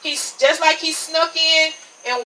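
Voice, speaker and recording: A woman preaches a tent revival sermon in a high, forceful voice, stressing her points and dropping in amens. She is picked up from a distance in an outdoor setting, with noise and chirping insects behind her. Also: steady tone, slow pace. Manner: emphatic, repeats "Amen" as punctuation. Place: outdoor tent service at night. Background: crickets and insects, congregation answering amen.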